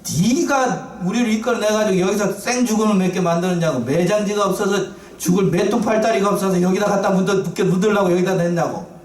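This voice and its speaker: Guy doing an angry israelite man, accusing, scolding, kinda high. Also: fairly quick, natural voice. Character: angry complaining Israelite man jabbing a finger. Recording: echoey church from far off.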